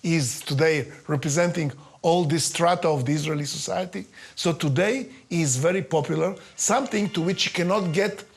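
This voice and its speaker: Husky, higher-voiced male commentator. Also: brisk, few pauses. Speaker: documentary interviewer. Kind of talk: documentary commentary.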